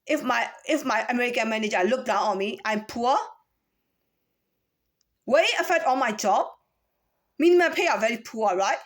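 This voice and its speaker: A woman's voice: fairly high pitch, normal speed, long pauses. A woman from Myanmar in a casual, rambling monologue to camera, full of rhetorical questions and restarts. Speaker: vlogger.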